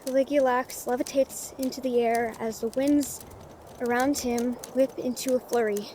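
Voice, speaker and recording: A woman's voice: a little high, fairly even intonation, moderate pace, dark tone, a little hiss or hum, close to an everyday voice. A woman playing an earnest, defiant author in a fantasy audio drama, with an emotional, emphatic delivery. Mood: tense narrating. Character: earnest, defiant female author facing her villain.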